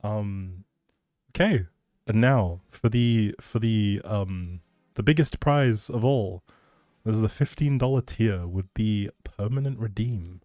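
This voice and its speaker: A man's voice: on the low side, takes it slowly, dark tone, dry recording, clean studio sound. A man hosting a livestream in a chatty, rambling, informal way, as if talking casually with viewers. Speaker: livestream host. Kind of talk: casual livestream chat, giveaway announcing.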